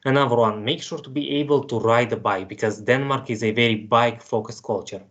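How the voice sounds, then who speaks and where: A man's voice: mid-range voice, brisk, a bit bright. Young man from Moldova giving a talk. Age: 20s. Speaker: student presenter. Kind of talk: reading a prepared presentation. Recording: dull lo-fi sound.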